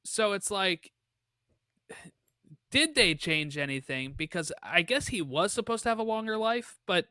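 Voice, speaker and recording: A man's voice: sits high, sharp tone, clear, resonant tone, dry recording, studio quality. A man co-hosting a podcast, chatting casually about a movie in a thoughtful, musing way with rhetorical questions. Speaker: podcast co-host. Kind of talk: casual film discussion.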